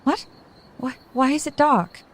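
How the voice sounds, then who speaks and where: An actress playing a frail young woman who sleepwalks, speaking softly in formal period English in a radio play. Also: sits high, expressive, a little slow. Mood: frightened. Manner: soft, earnest, period-formal speech.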